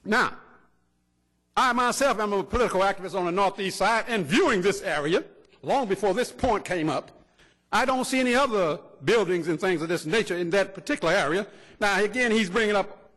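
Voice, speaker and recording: Fiery high-voiced man at council podium. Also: brisk, fairly bright tone. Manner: fiery, confrontational, rhetorical questions. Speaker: public commenter, political activist. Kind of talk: impassioned public comment. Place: city council chamber. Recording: long reverb in large chamber.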